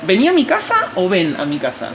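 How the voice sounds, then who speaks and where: Brief: woman interviewer, lively pitch, noisy outdoor recording. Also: a little fast. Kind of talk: casual interview. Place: outdoors by the coast. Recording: outdoor noise.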